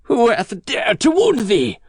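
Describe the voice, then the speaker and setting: A man voicing a gentle, fiercely protective giant in a fairy tale, with slow, drawn-out, emphatic words. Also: medium pitch, wildly swooping pitch, slightly rough, no room sound, studio quality, full character voice. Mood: angry, protective. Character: gentle giant, male, huge, big-hearted, fiercely protective. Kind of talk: storybook character voice in narrated fairy tale.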